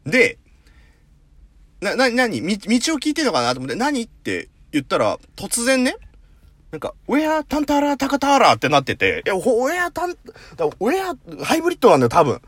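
A man hosting a casual solo talk show, telling a story in rough slang with playful self-mockery and sudden acted-out voices. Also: high voice, a little fast, no room sound. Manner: animated, jumps into acted-out voices. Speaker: podcast host.

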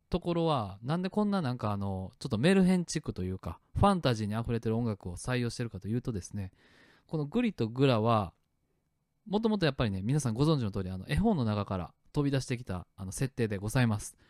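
A man hosting his own show, chatting in a relaxed way about the sound effects he made. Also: medium pitch, fast talker, no echo, clean studio sound. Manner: relaxed and chatty, many fillers, starts and stops clips. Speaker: podcast host. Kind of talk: casual solo talk explaining his sound effects. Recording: faint music clips playing behind.

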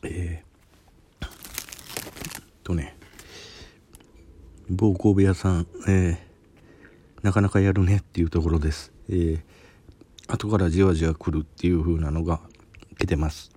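Kansai-accented man, deep and husky, chatty solo food-review podcaster, sniffly from spice. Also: level tone, a little slow, long pauses, warm tone. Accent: Kansai Japanese. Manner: chatty, self-deprecating, sniffling while eating spicy food. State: sweating and runny nose from spicy food.

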